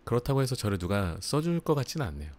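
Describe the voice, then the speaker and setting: A man with a medium-pitched, somewhat dark voice hosts a live book review for his book channel. He chats casually, laughing often and filling his asides with lots of fillers.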